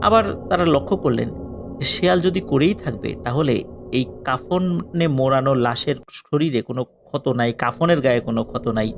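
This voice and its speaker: Male horror narrator, gravelly voice, dramatic pauses, loud music bed under him. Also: mid-range voice. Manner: dramatic pauses, swinging between loud and hushed. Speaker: storyteller. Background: loud eerie music.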